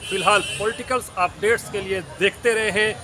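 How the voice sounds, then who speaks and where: A male news reporter delivers his wrap-up with occasional filler pauses. His voice is quite high. Loud street and traffic noise runs behind him. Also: fairly even intonation.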